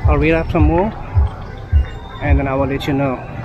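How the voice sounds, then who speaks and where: A man's voice: on the high side, fairly even intonation, normal speed, highs cut off, over music, a crowd in the background. A man casually talking to his viewers as he films a walking tour through city streets on an action camera. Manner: chatty, talks to viewers as guys. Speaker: travel vlogger. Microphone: action camera mic while walking. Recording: loud outdoor street noise. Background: loud street traffic.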